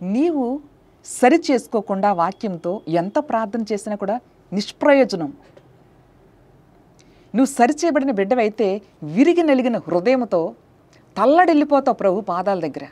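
A woman's voice: on the high side, animated, moderate pace, pauses often, warm tone. A woman preaching a sermon with fervent, emotional pleading, asking the congregation rhetorical questions and breaking into hallelujahs.

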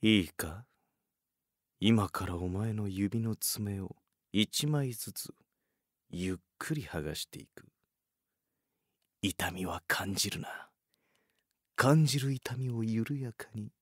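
Guy doing cold sadist interrogator, anime style, slow quiet menace, super controlled, dry close sound. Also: fairly low pitch, no echo. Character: cold, philosophising male torturer, calmly cruel. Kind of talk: anime-style dramatic acting.

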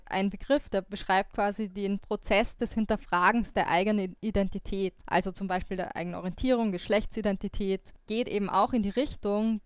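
A woman of twenty-seven from Austria, co-hosting a casual podcast and explaining terms calmly. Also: medium pitch, clean tone, dry recording, studio quality. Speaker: podcast co-host.

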